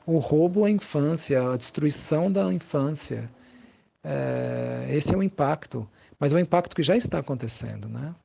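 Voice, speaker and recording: A Brazilian man, a psychologist being interviewed, gives conversational explanations in a thoughtful, halting way, searching for his words. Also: fairly high pitch, lively intonation, vocal fry, warm tone, husky.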